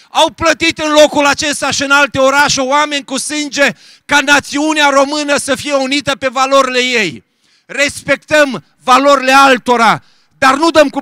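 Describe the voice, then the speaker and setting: The man's raised, projected voice sits at an extremely high pitch, with a bright, sharp tone. His tone is solemn, and the sound is dry and close with no echo. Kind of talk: rally speech with prayer-like appeals, ending in Amen. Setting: outdoor protest, crowd. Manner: firm, emphatic, declaring; solemn, preacherly.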